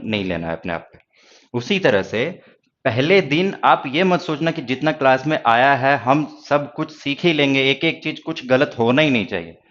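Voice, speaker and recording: A man's voice: mid-range voice, a bit bright, highs cut off. Reassuring Hindi-accented male teacher. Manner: reassuring, talks straight to students with rhetorical questions. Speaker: stenography teacher. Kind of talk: classroom lecture.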